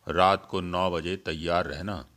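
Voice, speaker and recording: A jaded young activist who has given up the cause, read by a man. His voice is deep and his replies come slowly, curt and dismissive. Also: fairly even intonation, a bit bright. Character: disillusioned young male activist, wants to flee.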